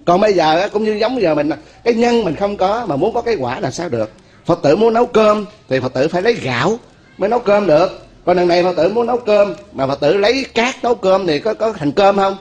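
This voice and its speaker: A man's voice: high voice, expressive, a little fast, darkish tone. A Buddhist monk with a Southern Vietnamese accent giving a sermon in a folksy way, often asking his listeners questions and chuckling.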